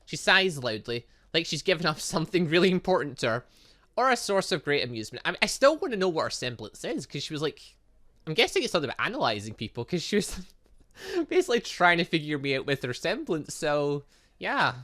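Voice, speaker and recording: A man's voice: fairly high pitch, big pitch swings, brisk, bright, forceful tone. A young man doing casual let's play commentary, rambling and mildly sweary, stumbling as he reads game text aloud. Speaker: gaming channel host.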